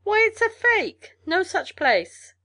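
Lady doing a gossipy old-west mail guy in a story, folksy talk, pitched higher. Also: sing-song, takes it slowly, pushed and bright, exaggerated voice. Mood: amused, incredulous. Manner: folksy colloquial frontier talk. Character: frontier male mail carrier, folksy, amused, gossipy. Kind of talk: storybook character voice in narration.

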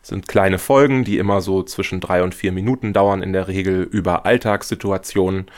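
A young man being interviewed about his audio drama, speaking in a reflective, earnest way. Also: deep voice. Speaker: guest, audio drama author. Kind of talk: podcast interview.

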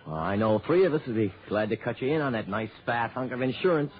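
An actor playing a shifty saloon keeper who talks tough, in a 1960s radio drama. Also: male voice, medium pitch, expressive, fast, highs cut off, close to an everyday voice. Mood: sneering. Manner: sneering, tough-talking.

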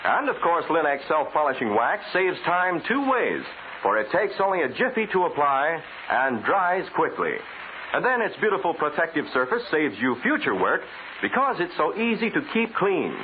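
A man's voice: on the high side, big pitch swings, moderate pace, phone-quality sound. A man working as a 1940s radio announcer, reading scripted narration and sponsor copy in a dramatic, polished delivery. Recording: thin, hissy 1940s radio recording.

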